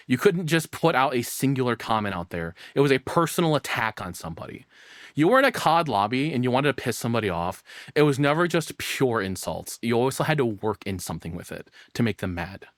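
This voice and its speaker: A man doing casual live reaction commentary as a streamer, excitable and rambling, swearing freely. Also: medium pitch, dry recording, clean studio sound. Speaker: VTuber streamer reacting to videos.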